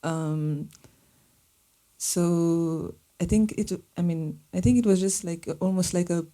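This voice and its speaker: A woman's voice: on the low side, slow, mellow. A woman from Slovenia, a filmmaker speaking thoughtfully in a live panel conversation and searching for her words. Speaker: filmmaker and artist guest.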